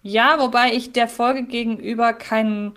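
A woman co-hosting a casual podcast, thinking out loud. She hesitates often, restarting phrases and filling pauses as she weighs her views. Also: on the high side, steady tone. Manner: thoughtful, hesitant with many fillers. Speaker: podcast co-host.

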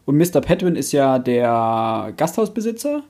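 A man's voice: mid-range voice, very animated, normal speed, mellow. A man co-hosting a podcast in a casual, conversational style. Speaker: podcast co-host. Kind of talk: casual chat about books, films and series.

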